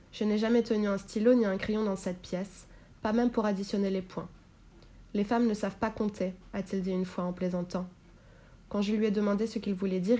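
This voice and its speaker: Mellow-voiced woman reading a novel aloud. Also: medium pitch. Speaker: reader.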